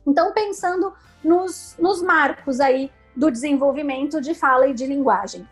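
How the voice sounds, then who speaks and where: A woman's voice: sits high, normal speed, soft background music. A woman speech therapist, a guest on the show, patiently explaining step by step with examples and often checking with "né?". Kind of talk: explanatory interview answers.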